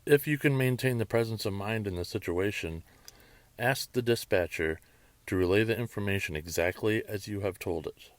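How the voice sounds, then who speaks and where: A man's voice: deep voice, no room sound. A man reading scripted commentary as the narrator of a video.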